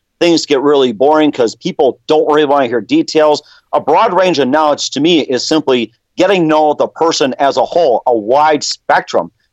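In an unremarkable speaking voice, a fairly high-pitched man talks at a fairly quick pace with ordinary pitch variation and very even loudness, in a dry, close sound with no echo over a quiet background. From US Midwest, Chicago/Milwaukee area. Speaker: radio host. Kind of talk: casual interview.

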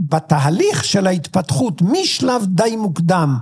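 A man's voice swings very widely in pitch. Noticeable background noise is present. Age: 80s+. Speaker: military historian and author. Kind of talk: interview.

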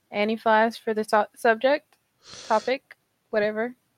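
A woman speaks with music in the background. The sound is dry and close, with no echo.

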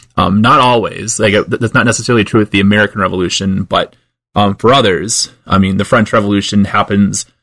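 Here a man with a bright, sharp tone rattles along at a very fast pace in monotone, flat intonation, with very even loudness and a dry, close sound with no echo. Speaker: podcast host, academic. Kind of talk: casual interview. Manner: friendly, laughs often.

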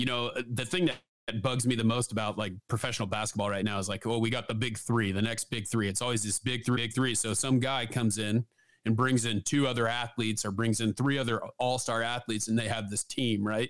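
A man at a medium pitch talks at a fairly quick pace. His intonation is fairly even, on a very clean recording with a silent background. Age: 40s. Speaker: podcaster. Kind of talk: casual chat. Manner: halting.

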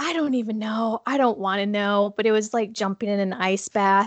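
In a dry, close sound with no echo, a woman with a fairly high pitch talks at a moderate pace in an unremarkable speaking voice. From Minnesota, US. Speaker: life coach. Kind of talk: casual interview. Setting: remote call.

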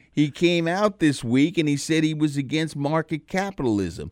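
Here is a man with an unremarkable speaking voice, fairly high in pitch with ordinary pitch variation. He talks at a moderate pace on a very clean recording with a silent background. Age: 60s. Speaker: radio co-host. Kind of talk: political talk radio. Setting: studio.

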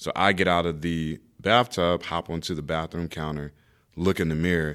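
A man with an American accent, very deep and low in pitch, fairly slow with fairly even intonation. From US South, Raleigh, North Carolina. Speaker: blind Paralympic long jumper. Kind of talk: interview. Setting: in a room at a training center.

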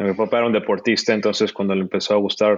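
A man talks fairly quickly, his voice fairly low and his intonation fairly even. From Mexico. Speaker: air force veteran and golfer. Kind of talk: interview. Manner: halting.

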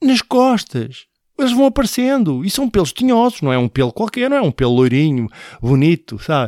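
In a European Portuguese accent, a man talks fairly quickly with very wide pitch swings, recorded very cleanly against a silent background in a dry, close sound with no echo. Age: 40s. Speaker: podcast host. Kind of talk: casual comedic monologue. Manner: animated.

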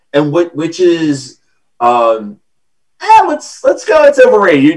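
A man speaks with a Philadelphia accent. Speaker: sports talk show host. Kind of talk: casual sports talk banter.

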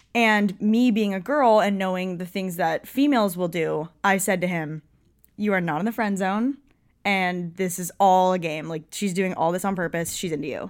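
On a very clean recording with a silent background, a woman in a normal speaking voice talks at a moderate pace and medium pitch with ordinary pitch variation. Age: 20s. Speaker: podcast co-host. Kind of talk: casual chat. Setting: at home on the couch. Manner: laughs often.

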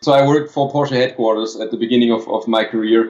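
This man talks with a German accent. His intonation stays fairly even. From Germany. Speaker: car company employee. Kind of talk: casual interview.

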